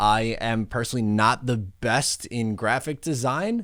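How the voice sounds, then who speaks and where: A medium-pitched man with a Long Island accent. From Long Island, New York. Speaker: sports podcaster. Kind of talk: podcast answering voicemails.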